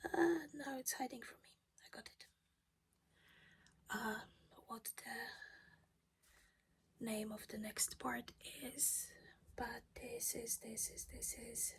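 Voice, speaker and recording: A woman's voice: on the high side, very animated, takes it slowly, creaky, long pauses. A woman whispering her way through a casual cross-stitch project chat at home while losing her voice.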